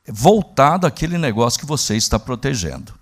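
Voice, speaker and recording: A man speaks at a medium pitch in a Minas Gerais accent. His voice carries vocal fry. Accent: mineiro. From Minas Gerais, Brazil. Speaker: technology executive, panelist. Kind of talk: panel discussion at conference. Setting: stage with audience.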